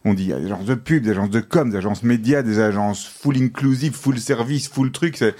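A man's voice: medium pitch, brisk, mellow. A man co-hosting a radio show in casual chat, often repeating and rephrasing himself. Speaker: radio co-host.

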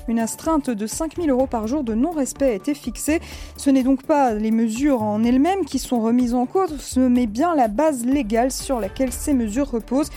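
High, mellow woman newsreader. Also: normal speed, soft background music. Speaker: radio newsreader. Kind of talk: scripted news bulletin.

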